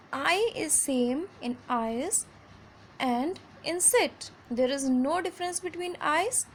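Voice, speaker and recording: High-voiced Indian woman teaching vowels. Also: a little hiss or hum. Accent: Indian English. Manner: slow, stretched example words, switching between English and Hindi. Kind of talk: phonics lesson for children.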